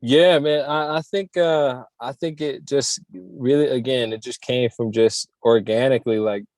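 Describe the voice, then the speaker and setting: A man's voice: medium pitch, steady tone, a little slow, a little mellow, dry recording. A man, a worship musician, talking earnestly in an interview with many restarts. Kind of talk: casual interview.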